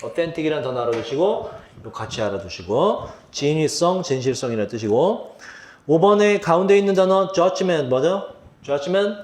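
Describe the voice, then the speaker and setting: A man's voice: a little high, expressive, moderate pace. A man teaching English vocabulary for an exam, asking the students questions and then answering them himself. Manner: quizzing students, answering his own questions. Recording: echoey room.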